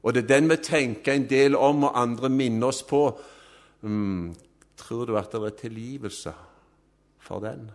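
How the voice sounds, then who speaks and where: Man, preacher, sermon, emphatic, loud swells, hushed low phrase endings, mid-pitched voice.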